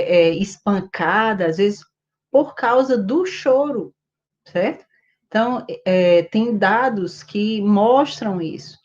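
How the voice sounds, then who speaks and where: A woman teaching parents about baby sleep in a casual talk to camera, pausing often on fillers and checking that listeners follow. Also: a little mellow. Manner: many hesitant fillers, rhetorical checks with listeners; sing-song high voice when soothing a baby. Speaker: infant sleep educator. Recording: dull lo-fi audio.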